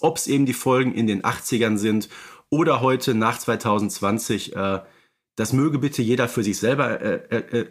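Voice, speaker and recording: A man's voice: medium pitch, fairly bright tone. Guy in his 40s chatting on a fan podcast, lots of ums and uhs. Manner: hesitant, many fillers. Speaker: podcast co-host. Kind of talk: casual fan podcast chat.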